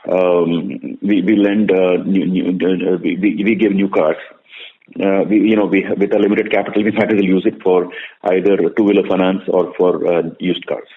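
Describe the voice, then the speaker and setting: A low male voice with an Indian accent comes through a narrow, phone-like line. He is a bank executive giving conversational answers on an earnings call, repeating phrases for emphasis. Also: level tone, normal speed. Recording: muffled narrow-band conference call audio.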